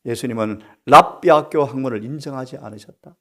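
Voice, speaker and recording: A middle-aged pastor preaching a sermon, often putting rhetorical questions to his congregation and swinging between soft, quiet phrases and loud, emphatic bursts. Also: medium pitch, a little fast.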